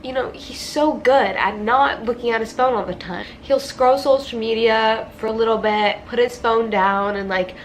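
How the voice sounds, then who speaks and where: A woman's voice: fairly high pitch, steady tone, normal speed, few pauses, a little hiss or hum, low-quality recording. A young woman with a stuffy nose from a cold, talking casually and heartfelt in a confessional vlog and saying "like" constantly. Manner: rambling, heavy use of "like", heartfelt. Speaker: vlogger.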